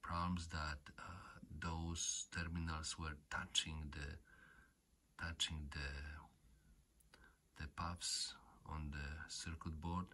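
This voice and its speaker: A man who is not a native English speaker, giving an unscripted hands-on repair explanation in a halting, repetitive way, often saying okay. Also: very deep voice, little pitch movement, sharp tone. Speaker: repair tutorial host. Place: indoors at home.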